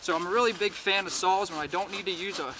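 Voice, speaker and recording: Man, casual rambling tool demo, slightly out of breath, outdoors, loud sawing and wood noise. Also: high voice, fast. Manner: relaxed, rambling, repeats words while working. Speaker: outdoor gear reviewer. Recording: noisy, with sawing sounds behind.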